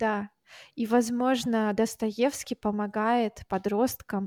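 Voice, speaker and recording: Very slowly, a woman says her lines. The recording is dry and close, with no echo at all. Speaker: podcast host, Russian tutor. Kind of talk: casual podcast chat.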